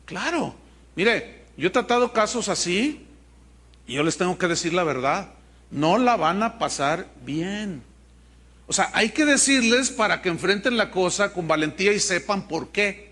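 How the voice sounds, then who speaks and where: Casting: male pastor, high voice, lively sermon storyteller who voices the people he quotes. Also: unhurried. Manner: animated storytelling, acts out dialogue in quoted voices.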